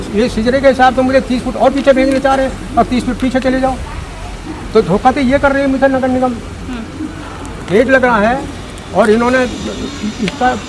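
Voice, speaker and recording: Amid noticeable background noise, a man with an extremely high pitch speaks at a moderate pace in a monotone, flat intonation, leaving long, frequent pauses. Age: 70s. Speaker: farmer. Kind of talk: interview answer. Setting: outdoors.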